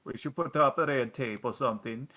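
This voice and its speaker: A man's voice: medium pitch, fairly quick, sharp tone. A man chatting casually as a player in an online tabletop game, often stammering and restarting his sentences and laughing at himself. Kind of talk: casual chat between players.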